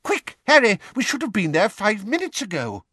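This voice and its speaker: A man's voice: a little high, huge pitch swings, normal speed, a bit bright, no echo, voice pushed up, heavily acted. A harried middle-aged wizard, panting out urgent words in a raised, lifted voice, as a male narrator acts him out. Dry, close storybook reading. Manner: urgent, breathless.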